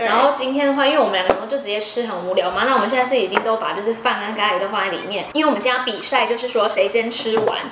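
Noticeable background noise sits behind a woman talking at a very fast pace with hardly any pauses. Her pitch varies in an ordinary way. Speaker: vlogger. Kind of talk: casual vlog chat. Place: home room. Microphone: camera far.

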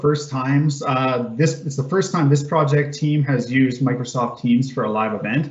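With audible room echo, a somewhat breathy man speaks at a moderate pace. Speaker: public engagement moderator. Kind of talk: moderator welcome address. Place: home room. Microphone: webcam.

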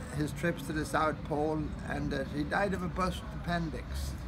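A man keeps a moderate pace while noticeable background noise carries on behind him. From Dublin, Ireland. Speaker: storyteller met by chance. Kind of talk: casual interview answer. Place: cafe. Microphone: phone near.

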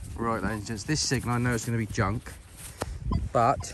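A man talks at a fairly quick pace. The sound is dry with no echo, and there's noticeable background noise. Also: ordinary pitch variation. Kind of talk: casual vlog chat. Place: open country. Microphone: phone near.

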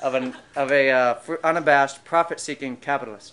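A man speaks with fairly even intonation. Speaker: presenter. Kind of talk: debate speech read from notes. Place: cafe.

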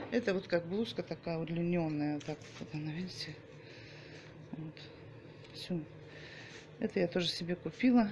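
Long, frequent pauses break up a somewhat breathy voice with ordinary pitch variation, set against light background noise. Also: woman, fairly low pitch for a woman, moderate pace. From Russia. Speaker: vlogger. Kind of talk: casual vlog talk. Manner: chatty. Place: home room. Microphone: phone near.

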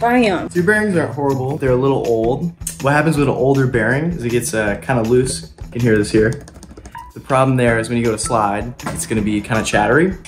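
A man talks at a very fast pace. Noticeable background noise runs behind him. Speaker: longboard instructor. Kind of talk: casual vlog chat. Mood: playful, joking. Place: shop. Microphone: phone near.

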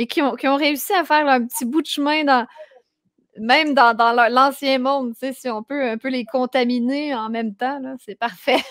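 High-pitched speech from a woman at a moderate pace, with fairly even intonation, recorded dry with no echo against a quiet background. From Quebec. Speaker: singer and influencer; influencer. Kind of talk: casual chat. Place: home room.

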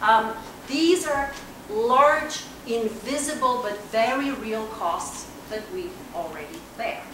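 The speech goes at a very slow pace with very wide pitch swings and big swings in loudness, heard over audible room echo and noticeable background noise. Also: woman, high pitch for a woman. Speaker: economics professor. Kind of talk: conference talk. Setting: stage with audience. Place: classroom. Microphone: podium.

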